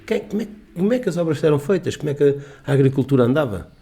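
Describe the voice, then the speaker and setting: A middle-aged businessman being interviewed on local radio. He talks quickly in a low, dark, mellow voice, rambling and emphatic. Faint music sits under the studio sound. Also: lively intonation. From Portugal. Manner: rambling, emphatic, with restarts and quoted dialogue. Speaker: business owner guest.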